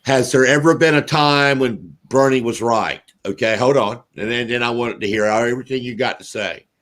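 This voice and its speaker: A man's voice: medium pitch, moderate pace, a bit bright. A man with a Southern drawl from North Carolina, hosting a casual political talk radio show in a rambling, folksy way with many fillers.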